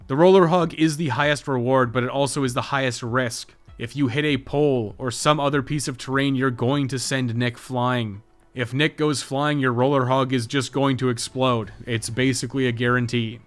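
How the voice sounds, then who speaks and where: A man's voice: medium pitch, fairly even intonation, normal speed. A man narrating a scripted video game guide in a matter-of-fact way, with dry, wry asides. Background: background music.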